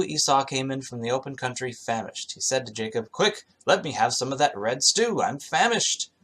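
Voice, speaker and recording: A man's voice: medium pitch, fairly bright tone. A man reading scripture aloud in a casual way, with wry, irreverent, sarcastic asides of his own.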